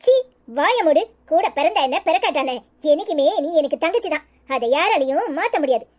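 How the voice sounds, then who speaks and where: A woman's voice: sits high, animated, a little fast. A woman voicing a bossy, caring elder village sister in a cartoon, with a Tirunelveli Tamil accent and a blunt, motherly manner. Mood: stern. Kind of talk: cartoon voice acting.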